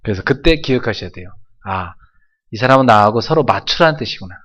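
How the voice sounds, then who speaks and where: A man preaching a sermon in a church, prompting the congregation to answer and repeat after him, dropping to quiet asides and then rising to loud exclamations. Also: fairly low pitch, lively intonation, fast. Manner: emphatic preaching with call-and-response prompts. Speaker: pastor. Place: church sanctuary.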